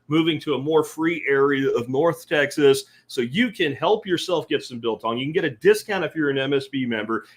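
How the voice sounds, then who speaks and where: A middle-aged man from central Pennsylvania hosting a podcast, talking in a casual, folksy and emphatic way, including sponsor reads. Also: a little high. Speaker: podcast host.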